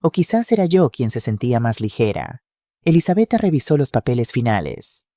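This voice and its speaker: A man reading a scripted first-person story in a steady, earnest way. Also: mid-range voice, normal speed, dry recording, studio quality. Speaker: narrator.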